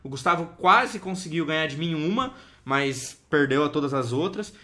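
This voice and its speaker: A man with a Brazilian accent, hosting a Minecraft Pokémon challenge and chatting excitedly with friends, teasing and full of slang. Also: fairly high pitch, normal speed. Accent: Brazilian Portuguese. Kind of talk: casual gaming chat with friends.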